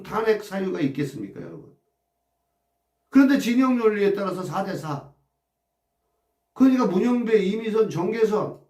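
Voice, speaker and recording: A man with a high-pitched voice delivers a heated political commentary monologue, firing off rhetorical questions and crude jabs. His voice rings in an echoey room. He sits some distance from the mic. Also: a little mellow. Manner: agitated, rhetorical, crude insults, repeated "어?" asides.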